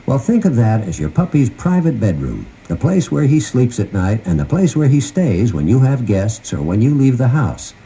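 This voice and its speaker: As if chatting with the listener, a man hosting a puppy training guide tape speaks in a mellow, warm, folksy way, his pitch lively and varied. He talks at normal speed with few pauses. It's a low-quality recording from a 1990 cassette with faint background noise.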